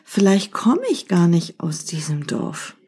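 A woman's voice: lowish voice, big pitch swings, measured pace, warm tone, slightly rough, exaggerated voice. A woman voicing a rude, confused grown man in a children's story, exclaiming in bewilderment. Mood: bewildered.

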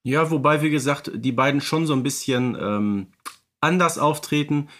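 A man's voice: on the high side, normal speed, fairly bright tone. A man co-hosting a casual fan podcast, thinking aloud, hedging his points and turning questions back to his partner. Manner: thoughtful, hedging with "ich sag mal", asks his co-host questions. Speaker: podcast co-host.

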